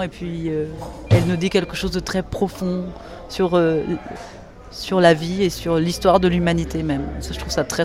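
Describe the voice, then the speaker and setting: A middle-aged woman novelist speaking enthusiastically in a radio documentary interview, often restarting and repeating words. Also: fairly low pitch. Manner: enthusiastic, with many restarts and repetitions. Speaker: novelist guest.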